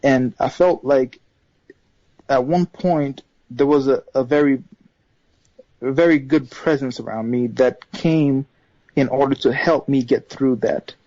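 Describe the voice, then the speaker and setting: A man from Haiti, whose first language is not English, calling into a radio show and telling a personal story with many pauses and fillers. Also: mid-range voice, warm tone, dry recording, lo-fi sound. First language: not English; third language. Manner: hesitant, many fillers and restarts. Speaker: caller.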